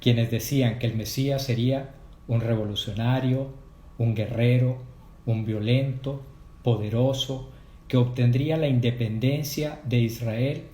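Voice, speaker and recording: A man leading a prayer group, giving a measured, explanatory talk on faith and addressing his listeners directly. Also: medium pitch, fairly even intonation, mellow, echoey room. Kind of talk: catechetical talk.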